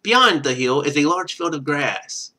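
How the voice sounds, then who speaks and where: In no hurry, a bright, fairly high-voiced man reads his game's on-screen narration with very lively pitch during a live stream. He then moves into laid-back commentary with dry, sarcastic asides.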